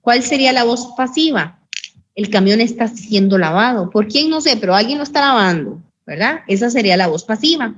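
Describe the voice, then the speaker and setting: A woman teaching an English grammar lesson in an online class, patiently repeating examples and saying English phrases slowly and carefully. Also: on the high side, expressive. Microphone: computer mic on a video call. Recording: dull lo-fi call audio, faint noise.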